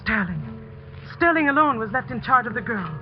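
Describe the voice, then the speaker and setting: An actress playing a determined young schoolteacher who narrates and plays the lead in a 1940s radio mystery drama, telling the story in a crisp, urgent way. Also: female voice, on the high side, animated, brisk, soft background music, close to an everyday voice. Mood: narrating. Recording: dull lo-fi 1940s radio broadcast.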